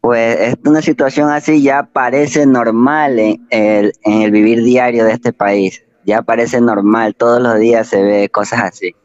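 A man with an Ecuadorian accent calling in to a radio show, speaking plainly and haltingly with fillers. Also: medium pitch, steady tone, a little mellow, no echo. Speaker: caller. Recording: dull, dry phone line.

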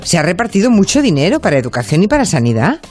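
A radio presenter who introduces stories and reads out listener messages in a lively, conversational way. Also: female voice, lowish voice, quick pace, soft background music. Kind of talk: radio show hosting.

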